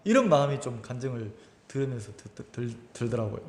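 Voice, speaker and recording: A man's voice: mid-range voice, very animated, a little fast, a little mellow, echoey room, long reverb tail. A middle-aged male pastor giving a sermon, telling a personal story with emotion and acting out the voices of his mother and himself. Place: church sanctuary.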